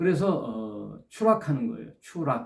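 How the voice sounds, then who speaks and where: The pace is very slow for this man. His pitch sits fairly high. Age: 70s. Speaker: pastor. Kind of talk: sermon. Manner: halting.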